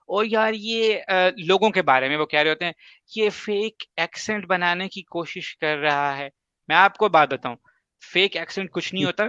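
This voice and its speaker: A man whose first language is Urdu hosts a casual advice talk. He speaks emphatically and leans on examples and quick asides. His voice is bright and slightly high, recorded dry and a little dull. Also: clear, resonant tone, dry recording. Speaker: host.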